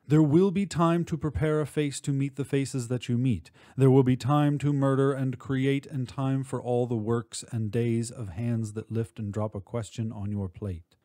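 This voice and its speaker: Mellow-voiced man reciting poetry dramatically. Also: medium pitch, dry recording, studio quality. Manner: expressive, measured, with drawn-out emphatic words. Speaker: poetry reader.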